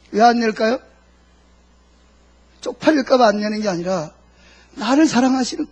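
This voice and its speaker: A middle-aged man preaching a sermon, his voice pitched high with a husky, breathy edge. He throws questions at the congregation and answers them himself. At times he speaks God's words or a believer's prayers as if in their voices. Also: darkish tone. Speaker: pastor.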